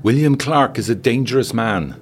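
A man's voice: mid-range voice, lively intonation, normal speed, faint music behind, voice pushed up, lightly acted. A man voicing a worldly, theatrical woman intriguer in an adventure story, giving grave, insistent warnings in formal phrasing.

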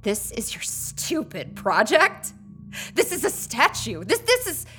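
A man reading a story aloud, voicing a frightened young woman in a high, strained voice over soft music. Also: expressive, unhurried. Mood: shocked. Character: frightened young woman, defiant then terrified.

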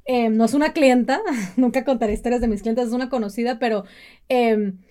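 Woman in her 30s, podcast co-host, lively, acts out quotes, slightly high voice. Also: fairly quick. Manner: animated, acts out quoted parents in a mocking voice. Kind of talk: casual chat.

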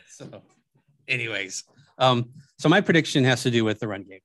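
A man's voice: mid-range voice, expressive, normal speed, a bit bright, no echo, studio quality. A man on a sports podcast, teasing and joking with his co-hosts. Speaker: podcast panelist. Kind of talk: casual sports podcast chat.

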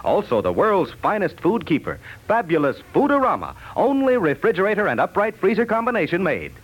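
A man's voice: high-pitched, huge pitch swings, fairly quick, low-quality recording. An American man reading scripted 1950s radio commercials as a polished, emphatic announcer. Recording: 1950s radio broadcast recording.

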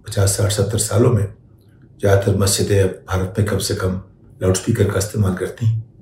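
An older man giving spoken opinion commentary as a show host, deliberate and measured, often posing rhetorical questions. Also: lowish voice, mellow. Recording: echoey room, faint background noise.

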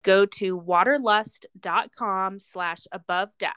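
A woman's voice: mid-range voice, slow, fairly bright tone, clean tone, no echo, studio quality. A woman co-hosting a podcast, speaking in an informal, chatty way. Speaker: podcast co-host. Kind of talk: casual chat and read sponsor spots.

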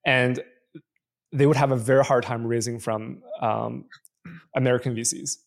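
Gravelly-voiced male investor, thoughtful. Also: medium pitch, steady tone, normal speed. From Canada. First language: Chinese. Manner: thoughtful, frequent fillers and restarts. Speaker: venture investor guest. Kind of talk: conversational interview answers.

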